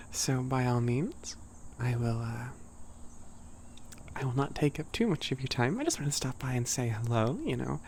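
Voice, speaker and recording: A young man voicing a sweet, shy giant cat boy in a soft, near-whispered ASMR roleplay, chatting gently and hesitantly to a small friend. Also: medium pitch, slight background noise. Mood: warm, reluctant farewell. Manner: gentle, hesitant, rambling, apologetic. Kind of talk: ASMR roleplay, casual chat to listener.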